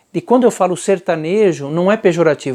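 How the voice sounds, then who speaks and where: With a high pitch and a dark, mellow tone, a man talks at a moderate pace with ordinary pitch variation. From Brazil, São Paulo city. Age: 40s. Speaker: writer and speaker on folk poetry. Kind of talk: educational talk. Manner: conversational, explanatory.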